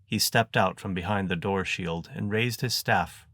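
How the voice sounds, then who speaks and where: A man narrating an adventure story in an even, measured way. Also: low voice, no room sound, clean studio sound. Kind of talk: audiobook narration.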